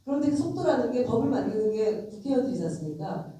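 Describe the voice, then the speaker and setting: Speaking straight to her audience in a convention center lecture hall, a middle-aged lawmaker gives a frank, emphatic, conversational lecture despite having a cold. She's a little high-pitched, very animated, quick, and warm in tone, recorded on a distant mic in a very echoey space.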